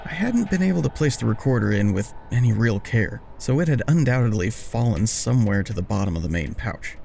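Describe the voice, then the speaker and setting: A man's voice: mid-range voice, animated, brisk, creaky, darkish tone, a little hiss or hum. A man narrating a dramatic first-person story in a wry, confessional way.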